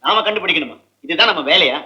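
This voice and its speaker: Doubtful doctor, fast-talking, lively high voice. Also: male voice. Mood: reluctant. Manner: skeptical, quick. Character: doubtful doctor resisting the mystery.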